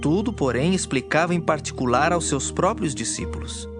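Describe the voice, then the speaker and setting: A man giving measured, formal narration for a dramatized audio Bible. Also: on the high side, expressive. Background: music.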